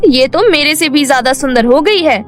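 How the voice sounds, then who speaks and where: A spoiled, vain rich girl mocks and bosses others in a cartoon story, as a woman voices her. Her voice is high and haughty. Faint music plays underneath. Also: normal speed, close to an everyday voice. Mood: jealous. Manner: mocking, bossy.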